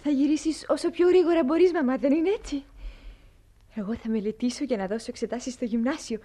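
An actress in a radio play, playing an earnest young daughter who speaks in a pleading, hopeful way. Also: female voice, sits high, mellow.

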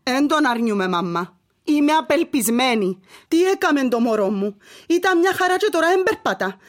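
A woman's voice: high voice, very animated. An actress with a Cypriot Greek accent playing a desperate, bitter young mother losing her faith. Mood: despairing. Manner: bitter, despairing. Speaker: daughter-in-law.

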